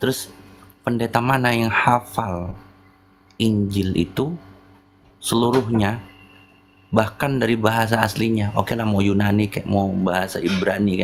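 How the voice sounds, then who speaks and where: Pitched fairly low, a man speaks at a fairly slow pace with fairly even intonation and long, frequent pauses. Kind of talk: interfaith religious debate.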